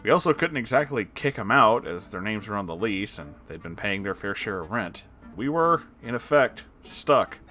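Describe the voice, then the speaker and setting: A man with a fairly low voice hosts a story reading over faint music. He moves between narration and his own commentary. His asides are sarcastic and exasperated, delivered expressively. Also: expressive, normal speed, sharp tone. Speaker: host reading and reacting to online stories.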